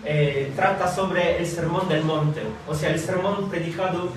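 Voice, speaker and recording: A man born in Italy leads a prayer and a sermon, halting often with fillers and restarts. His voice sits somewhat high. He is heard from a distance in a very echoey hall. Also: fairly even intonation, background noise. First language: Italian or Filipino language. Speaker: preacher. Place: church hall.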